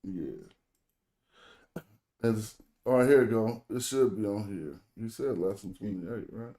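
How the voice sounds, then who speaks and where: A man's voice: lowish voice, measured pace, warm tone. An American man speaking African American Vernacular English, teaching informally with loose, slangy phrasing as he hosts an online group lesson. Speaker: host and language teacher. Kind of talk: casual teaching chat in an online group call.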